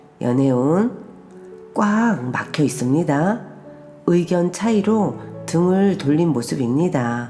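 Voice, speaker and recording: A woman speaks at a very slow pace while music plays in the background. Her pitch swings very widely. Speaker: tarot reader and fortune counselor. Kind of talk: daily horoscope narration.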